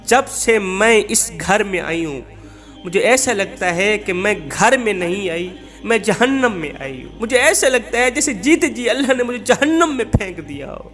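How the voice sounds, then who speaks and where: A man's voice: high-pitched, animated, fairly bright tone, faint music behind. A man voicing a mistreated wife who pleads in a tearful lament of repeated lines.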